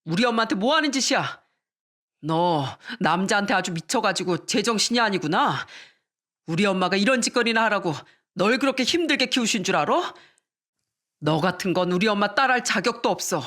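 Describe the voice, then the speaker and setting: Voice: medium pitch, lively intonation, normal speed, sharp tone. A narrator voicing a stern older brother who harshly scolds his sister in a dramatized story reading. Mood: angry scolding.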